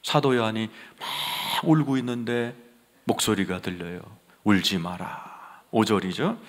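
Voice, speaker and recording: A male senior pastor preaching a sermon with passion, dropping to hushed tones and rising to near-shouting. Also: lowish voice, animated, moderate pace. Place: large church sanctuary. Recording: long hall reverb of a church.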